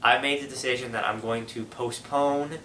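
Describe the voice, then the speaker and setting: A man's voice: medium pitch, steady tone, normal speed, pushed and bright, a little hiss or hum. A young man with a stuffy nose from a cold, hosting a casual gaming vlog update with lots of fillers and restarts. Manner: rambling, frequent fillers and restarts. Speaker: gaming channel host. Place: room at his family home. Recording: echoey room, mic at a distance.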